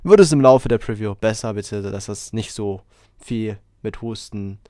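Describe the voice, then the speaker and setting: A man hosting a casual podcast while he has a cold, talking in a rambling, relaxed way with lots of fillers. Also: on the low side, a little fast, no echo, studio quality. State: has a cold, hoarse throat. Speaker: podcast host.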